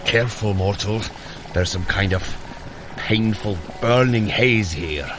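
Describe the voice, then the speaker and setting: An actor playing a boisterous, eager Norse god in an audio drama, exclaiming in a theatrical, grandly formal way. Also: male voice, on the low side, slow pace, background noise. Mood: excited. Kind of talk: scripted audio drama acting.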